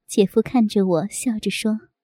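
A woman reading a first-person story aloud in a soft, intimate, unhurried way. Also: mid-range voice, fairly even intonation, dry recording.

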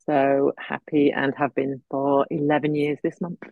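A woman's voice: very deep voice, flat delivery, a little slow, creaky, dry recording, phone-quality sound. A middle-aged woman from North Yorkshire with a general English accent, chatting as a guest art therapist in a self-deprecating way. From North Yorkshire, England. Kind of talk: casual chat. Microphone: video call.

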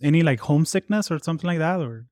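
A man's voice: fairly high pitch, expressive, fast talker, darkish tone, dry recording. Friendly male podcast host, dry sound. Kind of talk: podcast announcements and interviewing.

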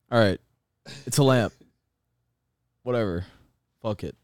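A man's voice: medium pitch, darkish tone, no echo. Playful young man with a dry close sound. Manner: loose, crude, playful. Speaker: podcast co-host. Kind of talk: casual chat.

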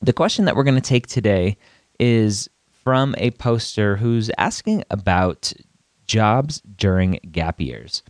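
A man hosting a podcast, sounding stuffy and nasal from a cold, explaining things in a measured way with small restarts. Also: on the low side, expressive, no room sound, studio quality. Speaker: podcast host. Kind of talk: solo podcast talk.

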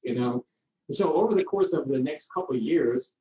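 A man's voice: medium pitch, expressive, normal speed, warm tone. A middle-aged Danish-accented man, a parasitology researcher, telling a chatty story with lots of fillers and acted-out dialogue. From Denmark. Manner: chatty, acts out quoted dialogue, frequent fillers. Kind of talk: relaxed anecdotal storytelling. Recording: roomy distant muffled audio with faint ambience.

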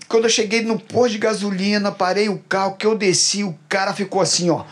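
A middle-aged man hosts a church talk program. His voice sits fairly high for a man, and he tells stories with lively energy, acting out each person's lines. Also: fairly quick. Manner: lively storyteller who acts out dialogue. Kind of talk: animated storytelling and Bible talk.

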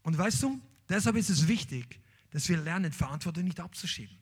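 A man preaching a sermon, reading scripture aloud and then explaining it in an animated preaching manner. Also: fairly high pitch, a little fast, breathy edge. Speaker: pastor.

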